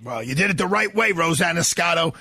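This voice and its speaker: A man, hosting a radio interview in a casual, conversational way with a husky voice. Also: fairly high pitch, expressive, a little fast, bright, forceful tone, no room sound. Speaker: radio talk show host.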